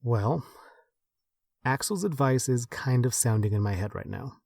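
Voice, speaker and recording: An actor playing a modest, self-doubting leader, hesitant and thoughtful, in naturalistic audio drama dialogue. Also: male voice, mid-range voice, lively intonation, a little slow, vocal fry, a little mellow, no room sound, studio quality. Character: modest, self-doubting man leading a small group.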